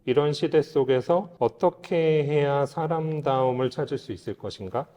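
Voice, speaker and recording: His voice is a little high and warm, at normal speed, as he explains philosophy as a guest expert in an interview. He comes across as earnest and reflective, lecturing more than chatting, and the room reverberates like a hall.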